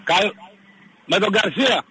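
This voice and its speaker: A man's voice: high-pitched, lively intonation, noisy background. A man calling in to a sports radio show, blunt and argumentative. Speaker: caller. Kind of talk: call-in chat. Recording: phone-line caller on radio.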